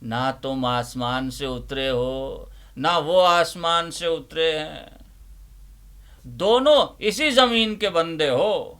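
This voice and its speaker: A man playing a bookish old librarian uncle, giving theatrical, emphatic Urdu-literature readings with deliberate repetition. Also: fairly high pitch, animated, a bit bright, smooth. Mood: earnest, pleading. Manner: emphatic, deliberate, repeats phrases rhetorically. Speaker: host, dramatic reader of Urdu literature. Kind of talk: theatrical dramatic reading and monologue.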